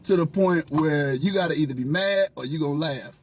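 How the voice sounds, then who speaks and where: A man's voice: a little high, brisk, slight background noise. A man telling casual stories as a guest comedian, slangy and profane, often laughing and acting out what people said. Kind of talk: animated casual storytelling with acted-out quotes.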